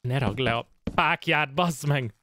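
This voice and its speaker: A Hungarian man casually commenting on his own gameplay, excitable and prone to swearing and yelping at in-game scares. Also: mid-range voice, background noise. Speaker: gaming streamer. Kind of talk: casual let's-play commentary.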